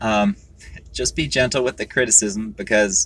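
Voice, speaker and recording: At a moderate pace, a man talks in a bright, sharp tone with vocal fry and lively intonation. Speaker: rideshare driver vlogger. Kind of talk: casual advice monologue. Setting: in a car, live. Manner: stuttering over words; blunt, animated.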